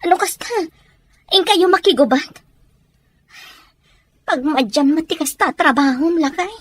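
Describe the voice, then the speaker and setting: A woman's voice: high voice, a little slow, fairly bright tone, dry recording. A woman with a Filipino accent acting emotional domestic roles in an audio drama. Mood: concerned. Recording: some background noise.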